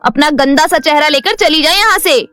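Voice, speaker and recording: A woman's voice: high voice, fairly quick, background noise, natural voice. A woman voicing a cruel middle-aged stepmother in a cartoon, scolding harshly and hurling insults. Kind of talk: cartoon voice acting.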